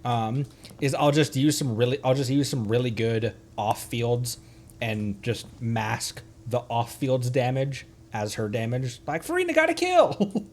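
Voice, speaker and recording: A man streaming a game with casual commentary, playful and excitable in the way he talks. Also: medium pitch, measured pace.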